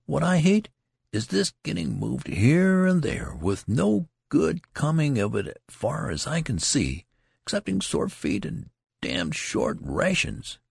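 A man's voice: a little high, huge pitch swings, takes it slowly, creaky, husky, dry recording, clean studio sound, pitched above the performer's own voice, exaggerated voice. Man voicing a brash boastful young soldier. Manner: country dialect, boastful and indignant. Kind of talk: audiobook character reading.

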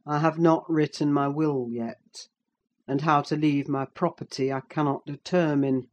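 Haunted brooding older man, voiced by an audiobook reader: slow, grave, intense lines. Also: a little high, steady tone, muffled recording, close to an everyday voice. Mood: weary. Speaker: character in an audiobook. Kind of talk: dramatic audiobook reading.

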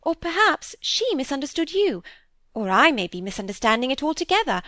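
A woman's voice: high voice, very animated, brisk, sharp tone, dry recording, pitched above the performer's own voice, full character voice. A woman voicing a timid elderly spinster who talks in a fluttery, placating way.

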